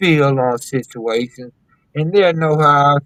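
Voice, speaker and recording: A man's voice, dry and close with no echo. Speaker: radio show host. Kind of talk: casual chat. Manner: loud, voice carries.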